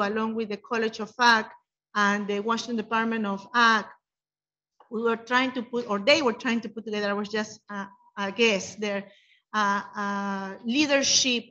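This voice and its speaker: A woman's voice: on the high side, sharp tone. A woman whose first language is Spanish, speaking earnestly on a conference panel and thinking aloud with many rhetorical questions. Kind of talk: panel discussion remarks. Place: conference room with panel table. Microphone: table mic on stand. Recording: dull lo-fi conference audio.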